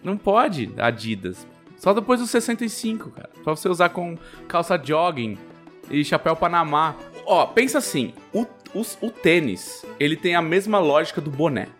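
Brazilian male podcast co-host, lively intonation, slightly high voice, casual teasing banter. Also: moderate pace, faint music behind.

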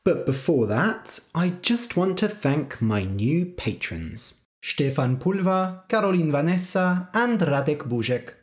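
Lively, careful podcast host for learners. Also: mid-range voice. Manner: spells out web addresses letter by letter; careful and deliberate. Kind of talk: slow, clear podcast talk for English learners.

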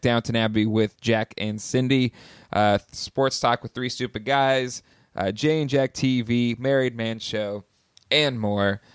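A man's voice: medium pitch, smooth, dry recording, studio quality. A man co-hosting a casual TV podcast, easygoing, reading out contact details with many fillers. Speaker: podcast co-host. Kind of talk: casual chat and show outro.

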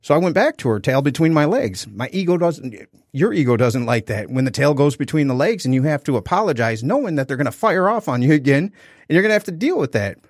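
A man's voice: a little high, sing-song, fast, dry recording. Candid man telling a story, dry sound. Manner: candid storytelling, acts out quotes. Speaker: podcast co-host. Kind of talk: casual podcast chat.

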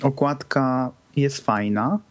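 A man's voice: mid-range voice, takes it slowly, no echo. A man co-hosting a podcast in casual, laid-back conversation. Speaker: podcast co-host. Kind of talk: casual chat.

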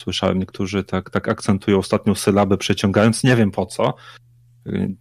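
A man's voice: deep voice, little pitch movement, brisk, creaky, darkish tone, no room sound. A man co-hosting a radio chat who talks bluntly and sounds irritated. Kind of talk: casual chat. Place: lives in the UK.

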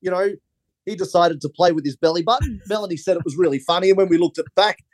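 A man's voice: sits high, fast, no echo. A man, a film director, rambling through anecdotes in a casual interview and laughing often.

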